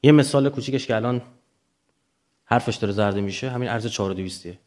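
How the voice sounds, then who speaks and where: Speaking at medium pitch with a darkish tone, this man has an Iranian Persian accent. He lectures emphatically yet informally, using examples and rhetorical questions to make his points.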